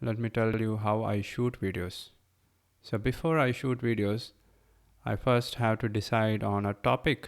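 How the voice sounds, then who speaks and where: A man with a Keralan accent speaks fairly slowly with fairly even intonation, in a very clean recording with a silent background. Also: medium pitch for a man. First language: Malayalam. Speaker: podcast host, blind content creator. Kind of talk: solo podcast talk. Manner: hesitant with fillers.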